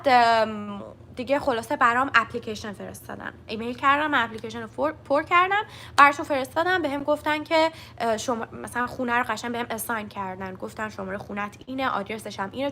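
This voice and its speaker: Bright young woman teacher. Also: fairly high pitch. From Iran. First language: Persian. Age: young adult. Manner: switches between English and Persian, reads out viewer questions. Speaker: English teacher answering live chat. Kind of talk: casual live-stream Q&A.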